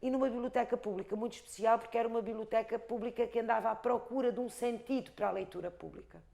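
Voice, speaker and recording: Woman, 50s, Algarve accent, storyteller, gravelly, fairly high voice, expressive rhythm. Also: fast. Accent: European Portuguese, Algarve. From Algarve, Portugal. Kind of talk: reflective interview talk.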